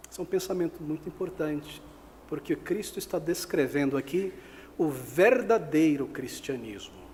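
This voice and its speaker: A man's voice: on the high side, animated, normal speed, a little mellow, big-room sound, slight background noise. A man preaching an expository sermon as pastor, pressing his listeners with rhetorical questions.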